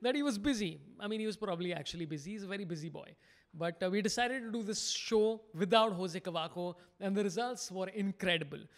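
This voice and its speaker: Against a quiet background, a man with a high voice races along at a very fast pace with lively intonation. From India. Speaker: comedian and podcast host. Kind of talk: casual chat. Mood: jokey, relaxed. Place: studio. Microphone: studio mic.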